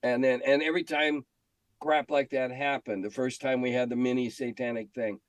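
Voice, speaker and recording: An older American man telling stories casually in an interview, candid and halting, often clearing his throat. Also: mid-range voice, flat delivery, dry recording. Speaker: interview guest, game industry veteran. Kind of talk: casual reminiscing conversation.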